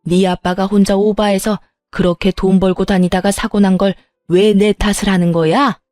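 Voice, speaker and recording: A woman's voice: medium pitch, mellow, no echo, studio quality, lightly acted. A woman voicing a selfish older mother-in-law who talks defensively and stammers when pressed, in a read-aloud story. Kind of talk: storybook dialogue reading.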